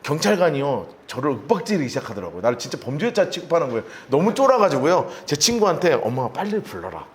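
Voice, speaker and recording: A man's voice: on the high side, quick pace, few pauses, a little hiss or hum. A male pastor preaching a sermon, telling stories and acting out voices as he goes. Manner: lively storytelling, acts out quoted voices.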